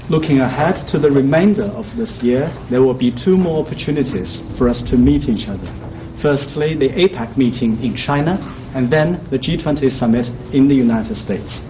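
Male live interpreter, formal and measured; picked up from far off, dull and muffled, with clear room noise behind him. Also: medium pitch, lively intonation. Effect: live interpreter voice over a formal statement. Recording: distant, muffled, noisy event audio.

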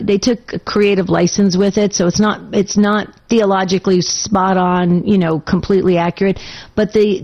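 A woman's voice: medium pitch, a little mellow, highs cut off. A woman hosting a call-in radio show in a casual, enthusiastic and affirming way, her voice slightly scratchy.

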